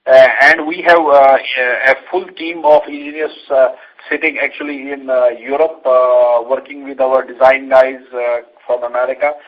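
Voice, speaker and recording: Halting Indian executive on a dull call line. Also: male voice, medium pitch, flat delivery. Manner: halting, hesitant delivery with repeated phrases. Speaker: company executive answering investor questions. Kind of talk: unscripted earnings call answers. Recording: dull lo-fi conference call audio.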